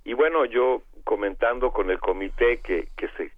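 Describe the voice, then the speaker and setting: A man with a Mexican accent and a hoarse, cavernous voice from bronchitis, speaking haltingly as a guest in a radio interview over a phone line. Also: mid-range voice. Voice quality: cavernous, congested voice. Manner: halting, hesitant, searching for words.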